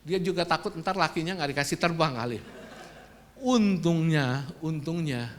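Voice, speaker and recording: Male pastor, high-pitched, animated sermon storyteller in church. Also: fast talker. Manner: animated, swings from loud outbursts to quiet confession.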